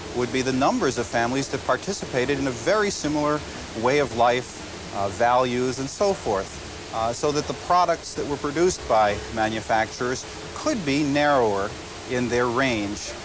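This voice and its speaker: Amid noticeable background noise, a man talks at a moderate pace and medium pitch with ordinary pitch variation in a dry sound with no echo. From US. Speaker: archaeologist and professor. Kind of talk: academic interview. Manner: hesitant, many filler words. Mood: calm, thoughtful, slightly smiling. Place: street.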